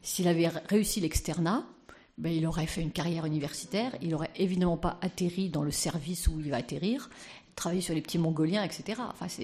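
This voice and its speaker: A woman's voice: on the low side, a little mellow. A woman giving an anecdotal conference talk as postulator of a sainthood cause, chatty and full of fillers.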